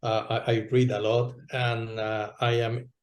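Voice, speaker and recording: A man's voice: medium pitch, level tone, a little slow. Man, hesitant, in an echoey room. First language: Spanish. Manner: hesitant, many restarts and fillers. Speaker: guest, localization entrepreneur. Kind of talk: casual interview conversation.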